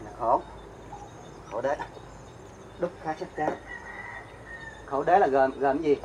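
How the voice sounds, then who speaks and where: A Buddhist monk gives a dharma talk, posing questions to his listeners and answering them himself, explaining terms one by one and reciting verse. His medium-pitched voice is a little slow with a darkish tone. The sound is lo-fi, with slight background noise.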